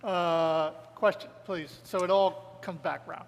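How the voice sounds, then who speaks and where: A man's voice: high voice, fairly even intonation, takes it slowly, gravelly. A man moderating an on-stage conversation, asking long, hesitant questions and inviting the audience to ask. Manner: rambling, hesitant phrasing. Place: lecture hall with audience. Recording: reverberant hall, faint noise.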